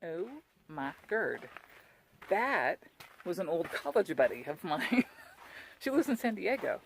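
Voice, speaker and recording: A woman's voice: lowish voice, big pitch swings, slow pace, vocal fry, slight background noise. Chatty woman vlogging on a hiking trail. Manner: chatty, laughs often, self-deprecating. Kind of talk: casual vlog chat. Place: on a mountain trail outdoors, later at home.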